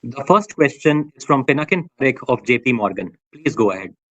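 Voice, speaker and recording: Male moderator, middle pitch, formal scripted announcements, dry and slightly lo-fi line. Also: animated, fairly quick, a bit bright, dry recording. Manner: formal, procedural. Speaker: conference call moderator. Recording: dull, dry conference call audio.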